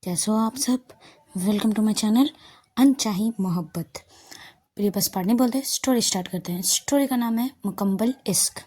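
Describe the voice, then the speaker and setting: A woman's voice: medium pitch, moderate pace, mellow. Chatty woman telling an audio love story. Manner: chatty, informal asides, drops to near-whispers. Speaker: storyteller and channel host. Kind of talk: casual audio story narration.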